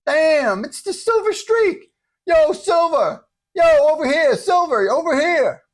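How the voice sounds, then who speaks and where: Very high, shouting, excited street fans. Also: male voice, slow, heavily acted. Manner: whooping, slangy shouting. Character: excited male New York street fans cheering a superhero.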